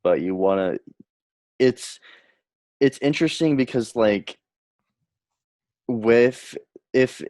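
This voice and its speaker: A man's voice: medium pitch, animated, takes it slowly, long pauses, darkish tone, no echo, clean studio sound. A man co-hosting a podcast, thinking aloud in casual chat and restarting his sentences. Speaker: podcast co-host.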